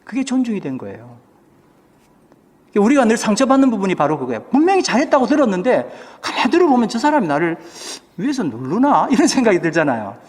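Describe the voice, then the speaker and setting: Preaching in a church whose hall rings with long reverb, a male pastor speaks in a high, slightly mellow voice. He puts questions to the congregation and acts out quoted speech as he delivers his sermon.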